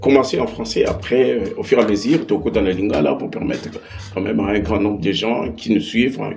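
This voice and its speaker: Congolese-accented male interviewer, lively swinging pitch. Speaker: interviewer, host. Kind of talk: conversational interview in French.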